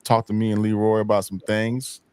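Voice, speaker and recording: A man hosting a casual hip hop talk show, rambling in a relaxed way and often repeating himself. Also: on the low side, brisk, clean tone, no room sound. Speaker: podcast host. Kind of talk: casual chat.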